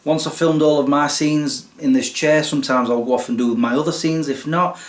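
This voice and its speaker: In a room with noticeable echo and slight background noise, a young man who makes YouTube videos gives a step-by-step, self-deprecating rundown of his filming and editing process. His fairly high-pitched voice stays steady and brisk throughout this casual behind-the-scenes talk.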